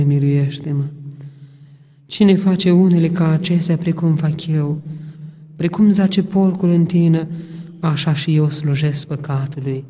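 Male prayer reader, slow and intoning, a dark, mellow tone and a ringing church reverb. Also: fairly high pitch. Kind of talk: solemn liturgical prayer reading. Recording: long hall reverb.

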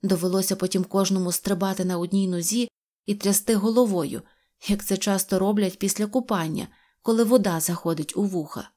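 A woman reading an audio fairy tale in an expressive storytelling manner. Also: medium pitch, a little fast. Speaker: narrator.

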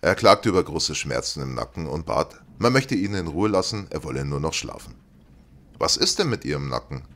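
Deep-voiced male audiobook narrator. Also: sing-song, normal speed, a bit bright.

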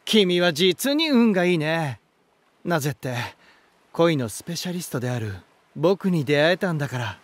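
An actor playing a flamboyant, self-assured romantic lighthouse spirit in an audio drama, theatrical and smug. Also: male voice, a little high, sing-song, moderate pace. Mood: smug, playful. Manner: theatrical, smug, smooth-talking. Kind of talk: audio drama character acting.

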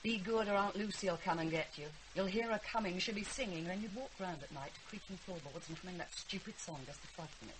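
A woman's voice: fairly low pitch, fast talker, hardly any pauses, lightly acted. An actress playing an anxious, resentful middle-aged mother with an English accent in a British radio drama, by turns sarcastic and pleading. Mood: bitter, accusing. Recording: hissy, noisy radio drama recording.

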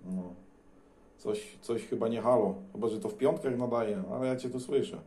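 A man's voice: medium pitch, moderate pace, very noisy. A man making casual, teasing and blunt small talk as a CB radio operator, in colloquial language.

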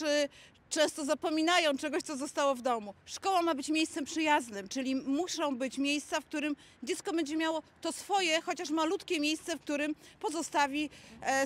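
A woman speaking earnestly as a council candidate at a press conference, with filler pauses. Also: high voice, a bit bright. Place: outdoors in a city.

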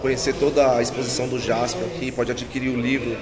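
A man's voice: medium pitch, quick pace, a crowd in the background. A man in his forties with a Brazilian Portuguese accent, an event organizer chatting casually about his exhibition, recorded on a phone at arm's length in an indoor pavilion. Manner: relaxed, chatty, with frequent filler tags. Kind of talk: casual promotional interview. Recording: reverberant hall with music behind.

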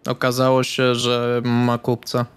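Male RPG player, flat mid-pitched voice, hesitant and questioning, casual table talk. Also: unhurried, clean tone. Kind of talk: casual in-character game chat.

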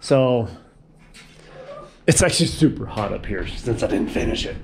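A man giving a casual home tour, rambling and correcting himself, often clearing his throat. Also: lowish voice, expressive, moderate pace, heavy background noise. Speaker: homeowner giving a house tour. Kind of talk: casual handheld tour narration.

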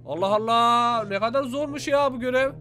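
A young man narrates his gameplay in a high, bright voice, quick to exclaim and chatting straight to his viewers. His tone is sharp and energetic, with faint game music under him. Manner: animated, exclaims and talks to viewers. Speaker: gaming YouTuber. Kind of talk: excited let's-play commentary.

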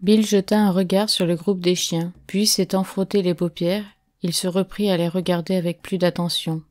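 A woman reading an adventure novel aloud as an audiobook narrator, in a measured, steady way. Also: lowish voice. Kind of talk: scripted narration.

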